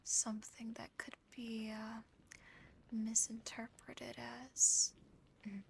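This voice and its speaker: A woman playing a seductive, possessive female sleep paralysis demon in a teasing, breathy ASMR whisper, close to the microphone. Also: fairly high pitch, completely flat delivery, slight background noise, low-quality recording. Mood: coy, seductive. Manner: slow, breathy whispering, teasing, lingering pauses.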